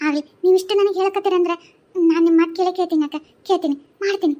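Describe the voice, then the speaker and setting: A woman's voice: extremely high pitch, fairly even intonation, very fast, warm tone. A woman voicing a poor, tearful village wife of a drunkard in a cartoon, with a North Karnataka Kannada accent and a pleading manner. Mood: resolved. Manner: pleading, tearful, repeats "yavva". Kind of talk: cartoon voice acting.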